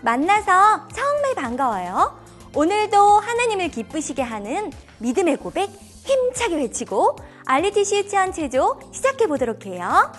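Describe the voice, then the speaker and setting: A woman presenting a children's program as a kindergarten teacher, with a bright, sing-song, welcoming delivery aimed at small children. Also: very high-pitched, very animated, normal speed, soft background music.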